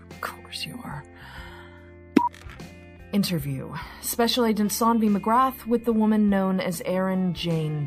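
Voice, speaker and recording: A formal female special agent played by an actress in an audio drama. Her voice sits a little low, and she questions in a dry, skeptical, official way. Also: close to an everyday voice. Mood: skeptical, exasperated. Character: brisk, skeptical female federal agent interrogator.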